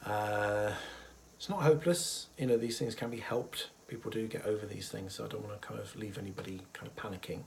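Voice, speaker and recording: A man speaks in a lowish, husky voice, roughened by a cold. He talks casually and thoughtfully to camera, pausing often on fillers as he explains. A faint hiss of room ambience sits under his voice. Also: low-quality recording. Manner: thoughtful, hesitant with many fillers, chuckles softly. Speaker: therapist. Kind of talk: casual educational talk to camera.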